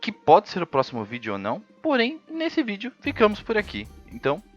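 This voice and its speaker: A man's voice: high voice, huge pitch swings, brisk, highs cut off, faint music behind. A man hosting a history video, narrating from a script with ironic, jokey asides.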